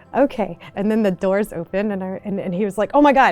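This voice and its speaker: Over background music, a woman talks at a fairly quick pace with a medium pitch and ordinary pitch variation. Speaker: voice actor. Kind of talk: casual interview answer.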